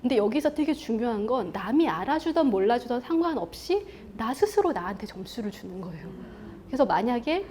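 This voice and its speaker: Chatty high-voiced woman lecturing with laughs. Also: fairly quick, slight background noise. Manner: chatty and animated, acting out inner thoughts with frequent laughter. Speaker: relationship columnist giving a lecture. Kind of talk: televised public lecture. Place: lecture stage before an audience.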